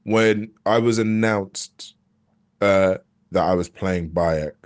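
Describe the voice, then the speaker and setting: Sitting low in pitch and moving at a slow pace, this young man's voice belongs to an actor interviewed as a guest. He talks casually and candidly, reflecting as he goes, and keeps hesitating and restarting his sentences while thinking aloud.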